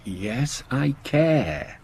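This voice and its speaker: Exasperated sceptical husband, animated. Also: male voice, medium pitch, drawn-out words, creaky, breathy edge, heavily acted. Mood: weary, defensive. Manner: irritable, sardonic. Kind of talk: radio horror play acting. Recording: noisy 1980s radio drama recording.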